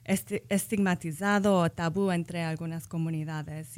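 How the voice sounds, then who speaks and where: A woman's voice: lowish voice, a little mellow, clean tone. A woman, speaking Spanish as a later language, answering interview questions carefully and correcting herself as she goes. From United States. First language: not Spanish. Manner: careful, thoughtful, self-correcting. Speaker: guest, social work professor.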